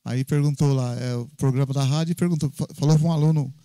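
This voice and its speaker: Pastor brasileiro de voz quente. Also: male voice, mid-range voice, quick pace, smooth, no echo. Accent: Brazilian Portuguese. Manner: lively storytelling with frequent tag questions. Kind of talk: informal sermon with personal stories. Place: church.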